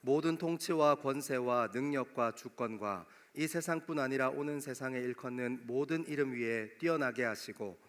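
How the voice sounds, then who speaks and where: A man's voice: mid-range voice, normal speed, few pauses, a bit bright. A young male pastor with a regional Korean dialect, preaching a sermon in a conversational way to a youth congregation. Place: church sanctuary. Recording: long hall reverb.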